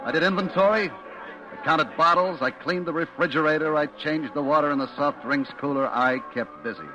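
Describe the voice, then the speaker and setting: An actor playing a nervous young American market clerk in an old radio suspense play, slangy and confiding, stammering when cornered. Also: male voice, on the high side, normal speed, pushed and bright, muffled recording, soft background music. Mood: uneasy. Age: young adult. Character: nervous young market clerk having a secret affair, telling his story. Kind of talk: 1940s-50s American radio suspense acting.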